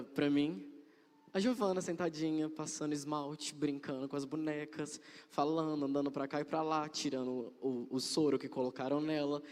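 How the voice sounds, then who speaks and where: An earnest young man gives a religious testimony, often repeating his phrases for emphasis. His voice sits fairly high for a man. The recording carries a long hall reverb. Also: a little mellow. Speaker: church member giving testimony.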